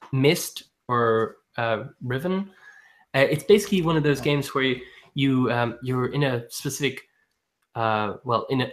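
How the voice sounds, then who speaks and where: A man hosting a casual live-stream book chat who hesitates a lot, with frequent ums, restarts and laughs. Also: mid-range voice. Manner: laughs often while talking. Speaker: booktube host.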